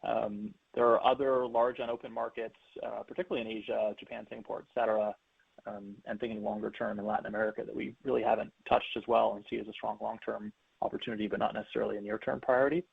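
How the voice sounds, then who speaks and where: A man with a heavily creaky, lowish voice speaks as a company executive over a tinny phone line. He lays out his points in a measured, explanatory way on an earnings call. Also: little pitch movement. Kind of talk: prepared business remarks on an earnings call. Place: conference call.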